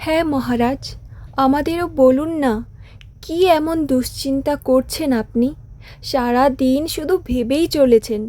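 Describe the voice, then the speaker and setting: A woman voicing a gracious, commanding fairy-tale queen in an animated story. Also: high-pitched, a little slow. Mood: concerned, pleading.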